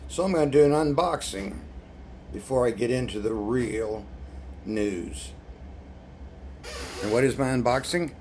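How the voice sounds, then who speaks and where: In a casual unboxing video, this male vlogger speaks slowly at medium pitch with frequent pauses and a slightly mellow tone. Wry and prone to chuckling at himself, he has an irritated throat. Noticeable noise sits in the background.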